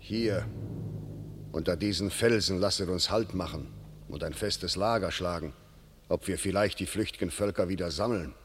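An actor playing a proud, scornful English field commander in a classical verse radio play, with biting, authoritative declamation. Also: male voice, low voice, husky. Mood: grave, weary. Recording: long reverberant hall sound.

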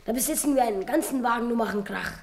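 Hearty, chummy schoolboy played by a woman, high-pitched. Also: racing, natural voice. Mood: chummy, eager. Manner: boisterous, slangy, chummy. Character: hearty, ever-hungry schoolboy, blunt and good-natured. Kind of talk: German radio play acting.

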